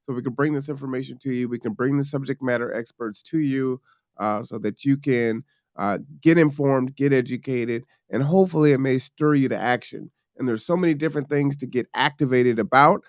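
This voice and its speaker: A man's voice: mid-range voice, brisk, no room sound. Chatty male host, dry sound. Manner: loose, chatty delivery with fillers. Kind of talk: live show hosting.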